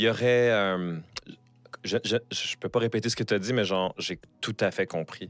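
A man with a fairly low pitch speaks at a moderate pace with fairly even intonation. Long, frequent pauses break his speech on a very clean recording with a silent background. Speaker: podcast host. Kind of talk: casual interview. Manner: casual, mixing English slang.

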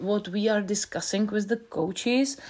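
A woman's medium-pitched voice with a Czech accent and a dark, mellow tone. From Czech Republic. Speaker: youth basketball coach. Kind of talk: recorded monologue.

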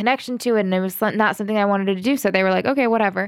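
A woman with an ordinary speaking voice, medium pitch and fairly even intonation in a General American accent, on a very clean recording with a silent background. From US East Coast, Southern Maryland. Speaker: journalist and activist. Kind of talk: casual interview chat.

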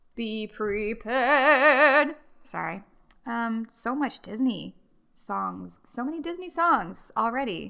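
Music plays behind a woman speaking in an American accent. Her tone is animated and her intonation lively. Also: fairly high pitch for a woman. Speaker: podcast host, archaeology and history. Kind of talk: casual chat, informal history podcast. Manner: chatty, rambling, animated.

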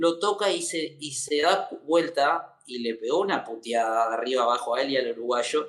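A man's unremarkable speaking voice at a fairly high pitch, lively in intonation, at a moderate pace with hardly any pauses. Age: 30s. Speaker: steeplechase athlete. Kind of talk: casual interview.

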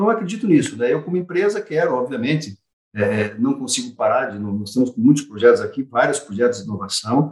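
The pace of this man's speech is very fast. His voice swings very widely in pitch. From Curitiba, southern Brazil. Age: 50s. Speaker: pediatrician and health executive. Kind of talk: casual interview. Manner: halting, many fillers.

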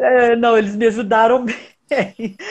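Her voice carries a somewhat breathy quality. This woman's pitch is fairly high. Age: 60s. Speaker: singing teacher. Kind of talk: casual chat. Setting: video call.

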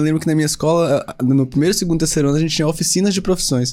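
A man with a high voice talks very fast, his pitch moving in an ordinary way. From Bahia interior, Brazil. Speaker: podcast host. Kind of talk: interview.

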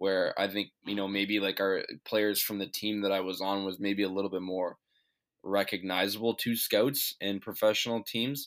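In an ordinary speaking voice, a man with a fairly low pitch speaks at a moderate pace with fairly even intonation. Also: very clean recording, silent background. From Ottawa, Canada. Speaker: professional football player. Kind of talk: interview.

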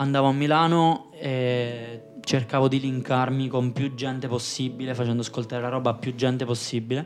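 This man speaks at a moderate pace with a medium pitch, a flat monotone delivery and hardly any pauses. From Pescara, Abruzzo, Italy. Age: 20s. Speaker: rapper. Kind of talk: casual chat.

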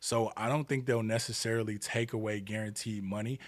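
Recorded very cleanly against a silent background, a man with a fairly low pitch talks fairly quickly in a monotone, flat intonation. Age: 30s. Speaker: podcast co-host, army veteran. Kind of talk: casual chat.

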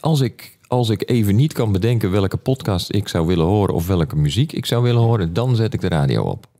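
Speaking at a fairly quick pace with hardly any pauses, a man uses lively intonation, a fairly low pitch, a dark, mellow tone, and very even loudness. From Brabant. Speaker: podcast co-host. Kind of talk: casual chat.

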